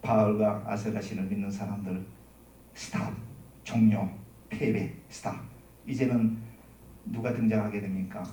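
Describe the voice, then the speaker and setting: A man pastor preaching a sermon, telling a story dramatically and acting out shouts and quotes. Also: lowish voice, little pitch movement, measured pace, pauses often, a little hiss or hum. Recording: echoey room, mic at a distance.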